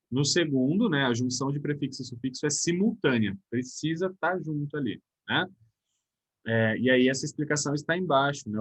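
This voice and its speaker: A man's voice: fairly high pitch, fairly bright tone, breathy edge. A man with a Brazilian Portuguese accent teaching a recorded grammar lesson, explaining step by step and checking in with his students.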